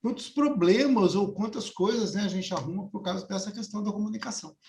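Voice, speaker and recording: A man's voice: high voice, fairly quick, vocal fry, darkish tone, reverberant, a little hiss or hum. A man in a casual study group discussion, talking hesitantly with many restarts and tag questions.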